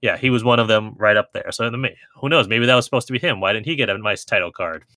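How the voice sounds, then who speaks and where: A man's voice: fairly low pitch, quick pace, bright, forceful tone, no echo, clean studio sound. A man co-hosting a podcast in casual chat, reading out trivia and movie quotes with easy laughter. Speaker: podcast co-host.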